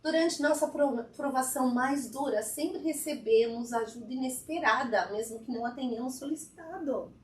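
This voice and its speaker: A woman with a high voice gives a relaxed spiritual talk to a live audience. She keeps it conversational and often checks in with listeners as she goes. The sound is roomy and echoey, picked up from a distance in a hall. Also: moderate pace, few pauses. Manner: chatty, often asks the audience "né?". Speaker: guest speaker at a spiritist fellowship.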